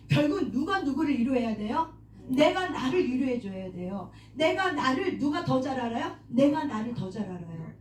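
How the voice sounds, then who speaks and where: A woman's voice: sits high, darkish tone, far from the mic, slight background noise. A woman leading a prayer meeting, preaching on forgiving oneself, asking the audience questions, answering them herself and calling for amens. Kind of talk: sermon on self-forgiveness. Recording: echoey room, voice from off-mic.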